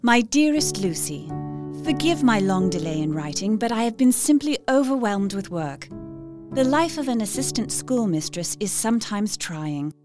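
A woman's voice: mid-range voice, big pitch swings, moderate pace, over music, natural voice. An actress playing an affectionate young schoolmistress, reading out her letter formally in an audio drama. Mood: fond, wistful.

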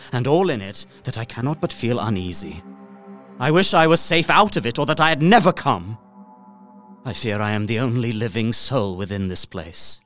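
A man's voice: mid-range voice, a bit bright, close to an everyday voice. An actor playing an uneasy young solicitor, narrating his journal formally and dramatically in an audio drama. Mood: uneasy, hushed, then panicked.

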